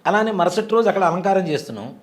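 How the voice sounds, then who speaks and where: A man's voice: high voice, expressive, racing. A man in his forties, a temple priest, telling a personal story in a casual interview with vivid, earnest detail. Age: 40s. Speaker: temple priest and devotional guest.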